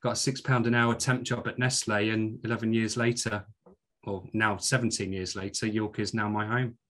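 A man's voice: fairly low pitch, flat delivery, normal speed, a bit bright. A middle-aged man with a Scottish accent, speaking as a podcast guest in an earnest, hesitant way. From Scotland. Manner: earnest, with frequent fillers and restarts. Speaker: guest, commercial director. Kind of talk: podcast interview.

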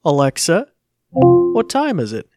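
A man's voice: fairly high pitch, huge pitch swings, slow pace, over loud music. A man giving a casual live tech demo, informal and hesitant, easily amused. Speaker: tech demonstrator.

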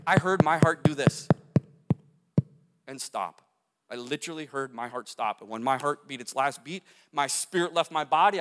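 Long hall reverb colors this testimony talk, in which a man recounts his near-death experience to an audience, gesturing and repeating phrases for emphasis. He speaks a little high with a fairly bright tone.

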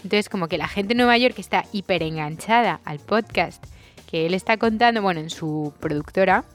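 A woman co-hosting a podcast in casual chat, a rambling storyteller who speeds up in quick bursts. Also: lowish voice, soft background music. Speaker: podcast co-host.

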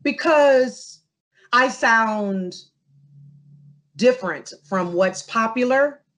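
A young adult woman, a guest in an interview, answers questions casually and with animation, telling stories full of asides to the listener. Her voice is fairly high and she speaks very slowly.

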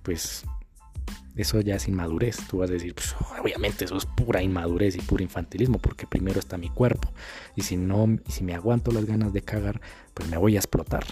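Crude, animated Colombian man. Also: sits low, brisk, faint music behind. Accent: Colombian Spanish. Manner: crude, slangy and animated, acting out quoted voices. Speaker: dating coach. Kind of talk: casual vlog monologue.

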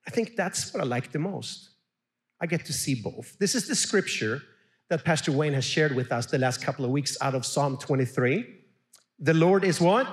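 A middle-aged man from Sweden, a pastor preaching a sermon and calling on the congregation to answer back. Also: on the high side. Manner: animated, calls for audience responses.

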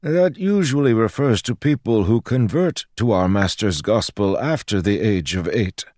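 A man's voice: on the low side, animated, moderate pace, a little mellow, no echo, pitched above the performer's own voice. A man voicing a crotchety old priest in an audiobook, weary, patronising and exasperated. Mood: dismissive.

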